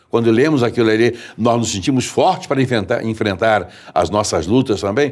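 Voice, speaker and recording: A man with vocal fry speaks at a moderate pace. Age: 70s. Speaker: pastor. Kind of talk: interview.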